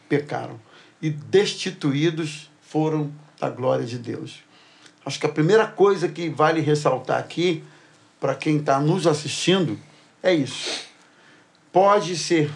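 A middle-aged man, a church program host who tells stories in a lively way and acts out the dialogue. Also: a little high. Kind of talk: animated storytelling and Bible talk.

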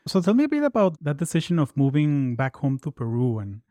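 A man's voice: on the high side, huge pitch swings, brisk, mellow, dry recording. A man hosting a podcast, giving upbeat announcements and interviewing a guest in a friendly, conversational way. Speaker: podcast host.

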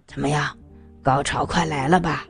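A woman's voice: sits low, steady tone, moderate pace, faint music behind, pitched below the performer's own voice. A woman voicing a cocky, teasing young male lover in an audio story. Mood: smug teasing. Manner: smug, teasing.

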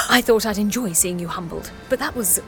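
A woman's voice: medium pitch, wildly swooping pitch, normal speed, music in the background. An actress playing a chatty, breezy young woman working undercover. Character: bold young English woman spy, breezy.

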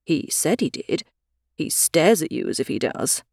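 A woman voicing a calm, pragmatic young woman who speaks in a matter-of-fact way, in an audiobook. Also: deep voice, measured pace, gravelly, no echo, studio quality, exaggerated voice.

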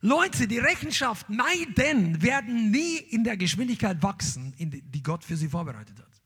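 A man preaching a sermon, reading scripture and then driving the point home to his congregation. His voice sits high and swings widely in pitch, with a husky grain. He preaches in an animated way. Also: moderate pace. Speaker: pastor.

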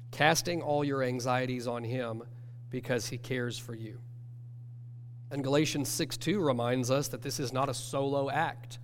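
A man, nasal from a cold, teaching a church class in an earnest, measured way. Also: mid-range voice. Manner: earnest, measured, self-correcting. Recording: long hall reverb with faint hum.

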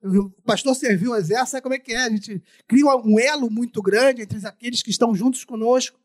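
A man with a very high voice preaches in Brazilian Portuguese, slightly muffled by a face mask. He delivers his sermon as a preacher who repeats phrases to drive them home. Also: fairly quick. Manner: repeats phrases for emphasis, acts out dialogue.

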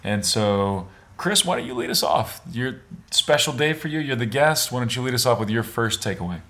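A man hosting a podcast in a casual, upbeat way, his voice a bit raspy from days of talking at a conference. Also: medium pitch, lively intonation, normal speed, a bit bright. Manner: upbeat, conversational, with frequent fillers. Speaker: podcast host. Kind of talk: casual podcast chat with read ad. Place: on location at a conference.

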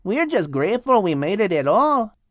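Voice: mid-range voice, big pitch swings, moderate pace, dry recording, studio quality, voice pushed up, lightly acted. A man voicing an earnest, grateful little male hummingbird telling of his travels with wonder in a storybook tale. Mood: awed, grateful.

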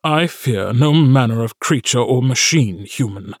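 Male narrator doing a stern demon warrior, deep, gruff and commanding, slow. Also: lively intonation, dry recording, studio quality. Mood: menacing.

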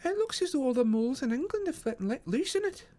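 Someone putting on a high, gentle young lady. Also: sing-song, quick pace. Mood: wondering.

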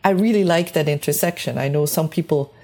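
A woman's voice: low voice, a little fast, darkish tone. A woman from Switzerland speaking as an interview guest, reflective and enthusiastic as she talks about her work in a conversational way. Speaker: podcast guest, space mission engineer.

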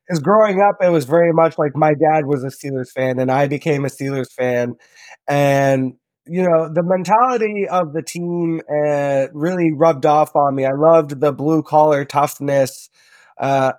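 A young man from Southern Ontario, talking as a podcast guest. His voice sits a little high, and he rambles along in a loose, relaxed way with lots of ums and uhs. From Southern Ontario, Canada. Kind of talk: casual interview chat.

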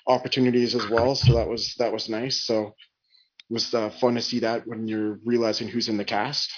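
A man's voice: medium pitch, little pitch movement, normal speed, slightly rough, dull audio. A man chatting casually about a film in an easygoing way. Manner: easygoing, repeats "cool" and "like". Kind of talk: casual movie discussion.

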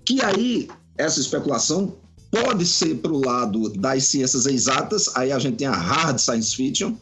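A man, a guest writer, explaining at length in a measured, lecturing way during a podcast conversation. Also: mid-range voice, animated, fairly bright tone, faint music behind.

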